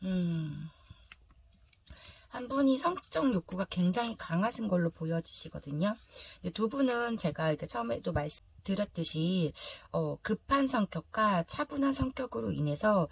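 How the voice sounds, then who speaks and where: A woman hosting a tarot reading, hoarse from a throat cold, speaking politely and conversationally as she explains to viewers. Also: mid-range voice, animated, moderate pace. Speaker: tarot reader, channel host.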